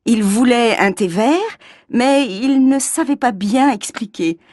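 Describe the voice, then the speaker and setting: A woman from France voices everyday characters in slow, clear learner dialogues. Her voice sits a bit high and is slightly husky, moving expressively up and down, recorded dry and close. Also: animated, darkish tone, no room sound.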